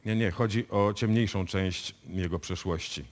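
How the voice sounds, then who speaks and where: An actor playing a confident police detective who deliberately lays out a case in a radio play. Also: male voice, sits low, slight background noise. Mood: explaining, assured. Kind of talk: live radio drama acting in Polish. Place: radio music studio, performed live before an audience.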